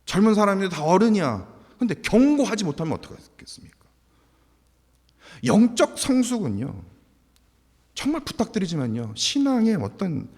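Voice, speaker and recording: A man in his forties delivers a sermon in a church sanctuary. His voice sits high and ranges widely as he pushes rhetorical questions at the congregation. A long reverb trails each phrase. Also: darkish tone, husky. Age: 40s. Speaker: pastor.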